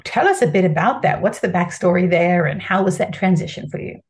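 A woman's voice: lowish voice, lively intonation, fairly quick. A woman hosting a podcast interview, upbeat and chatty, who laughs easily. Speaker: podcast host.

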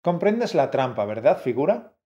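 Male podcast co-host, warm dark tone, encouraging, slightly muffled recording. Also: a little high, very animated, normal speed. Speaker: co-host of a Spanish-learning podcast. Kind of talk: scripted podcast teaching.

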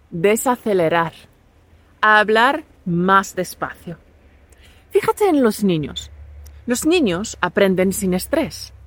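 A Spanish teacher and podcast host narrates a scripted lesson at a close mic in a calm, clear, deliberate way, encouraging the listener along. Her mid-range voice is recorded dry, with no echo or room sound.

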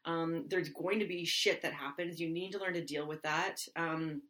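A woman's voice: sits low, steady tone, moderate pace, fairly bright tone. A woman hosting a podcast, talking earnestly and encouragingly with many ums and likes. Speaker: podcast host. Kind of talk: casual podcast conversation.

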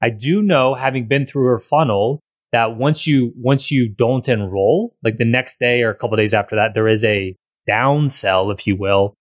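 A man's voice: medium pitch, moderate pace, hardly any pauses, no echo. A man hosting a podcast in casual conversation, rambling with frequent restarts and repeated words. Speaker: podcast host.

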